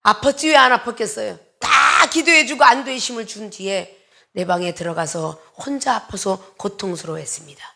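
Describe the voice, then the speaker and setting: A woman pastor preaching a sermon with emphasis, acting out dialogue in different voices and sometimes shouting. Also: mid-range voice, moderate pace, creaky.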